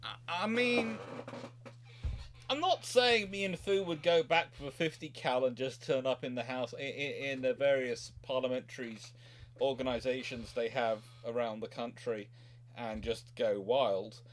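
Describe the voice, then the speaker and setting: Mid-pitched guy hosting a history q&a, kinda halting, keeps rewording himself as he goes. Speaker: host, naval historian. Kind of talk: casual history chat with audience questions.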